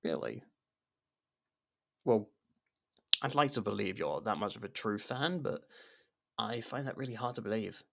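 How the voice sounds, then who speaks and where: A man's voice: on the low side, lively intonation, a little slow, gravelly, long pauses, pushed and bright, exaggerated voice. A man acting a nervous, awkward, secretly obsessive young lover in an intimate ASMR roleplay, stammering and backtracking as he talks. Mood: awkward, probing. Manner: stammering, hesitant, self-conscious, backtracking. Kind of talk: ASMR roleplay, intimate one-sided dialogue.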